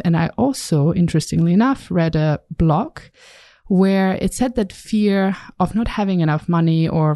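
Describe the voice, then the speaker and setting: A woman's voice: fairly low pitch, dark tone, dry recording. A woman hosting a studio podcast, reading a prepared introduction and then asking interview questions in a polite, earnest way. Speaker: podcast host.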